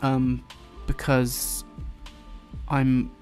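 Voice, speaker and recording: A man with an English accent softened by London, chatting casually and rambling while he draws, swearing now and then and dropping his t's. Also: medium pitch, monotone, extremely slow, faint music behind. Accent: English, London-influenced. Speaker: YouTuber drawing on stream. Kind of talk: casual chat while drawing.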